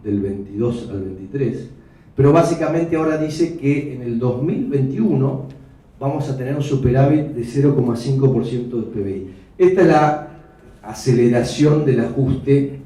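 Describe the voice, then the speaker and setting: Argentine male economist, dark mellow tone, explains slides calmly; recorded from afar in a reverberant hotel room. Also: mid-range voice. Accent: Argentine Spanish. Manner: measured, explanatory, with asides and self-corrections. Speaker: economist giving a talk. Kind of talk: lecture with slides. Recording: echoey room, mic far off.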